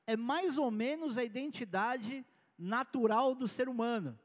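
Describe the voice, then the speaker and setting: A pastor with a high voice delivers a sermon in a relaxed, conversational way and weaves in personal stories. His words ring out with a long reverb, as if in a large church hall. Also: measured pace. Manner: conversational preaching with personal anecdotes.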